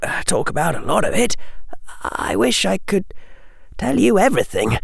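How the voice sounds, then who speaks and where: A man's voice: sits high, sing-song, moderate pace, gravelly, husky, no echo, studio quality, pitched above the performer's own voice, full character voice. A man doing a shaky whispering young boy. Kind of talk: audiobook reading.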